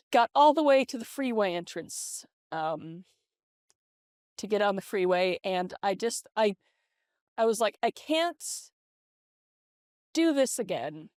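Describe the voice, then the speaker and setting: A middle-aged woman talking casually to her vlog audience through a voice changer, reflective and halting, with repeated false starts. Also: on the high side, clear, resonant tone, dry recording, studio quality. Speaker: vlogger. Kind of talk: casual personal vlog monologue. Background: lo-fi video game music.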